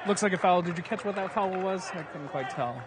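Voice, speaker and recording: A male seminarian doing live commentary at a basketball game, playful and quick to laugh at himself. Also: high voice. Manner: playful, laughs often, self-deprecating. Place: school gym. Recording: loud crowd and gym noise.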